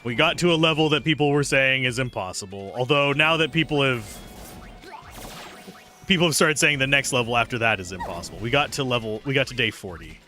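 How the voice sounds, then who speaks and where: A young man commenting casually on a game he is streaming, chatty and jokey, with a slightly raspy voice. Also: medium pitch, brisk, sharp tone, soft background music. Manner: chatty, jokey, reacts aloud.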